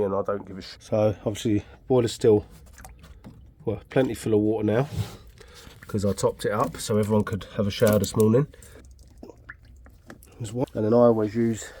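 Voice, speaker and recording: Middle-aged heating engineer with a cold, blunt, ranty and sweary, filmed on a phone in a house loft. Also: male voice, medium pitch. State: has a cold. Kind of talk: casual work vlog. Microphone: phone camera.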